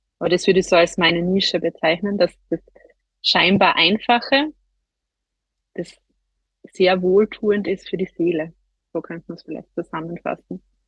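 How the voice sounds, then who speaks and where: With an Austrian accent, a woman speaks at a moderate pace in a somewhat breathy voice, using ordinary pitch variation, big swings in loudness and long, frequent pauses. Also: medium pitch for a woman. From Austria, Styria near Graz. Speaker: creative entrepreneur, lettering artist. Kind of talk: interview.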